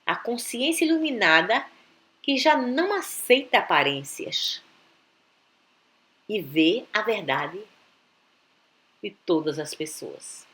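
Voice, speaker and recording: A woman giving a calm, deliberate reading of a spiritual text, with long pauses between phrases. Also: medium pitch. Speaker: reader of spiritual teachings.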